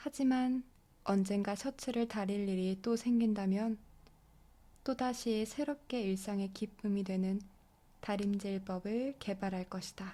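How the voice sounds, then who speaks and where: Very slow, gentle speech from a woman, medium in pitch, dark and mellow in tone, with fairly even intonation. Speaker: audiobook reader. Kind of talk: sleep audiobook reading.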